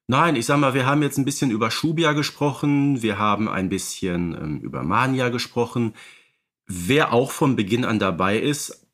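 A man's voice: mid-range voice, animated, normal speed, a bit bright. A man in his thirties co-hosting a podcast about radio plays, chatting with enthusiasm and many fillers. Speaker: podcast co-host.

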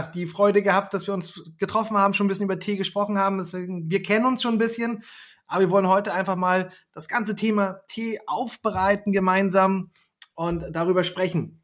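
A man's voice: sits high, fairly even intonation, brisk, fairly bright tone. A man hosting a podcast, friendly and upbeat, interviewing a guest with long questions and a few fillers. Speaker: podcast host.

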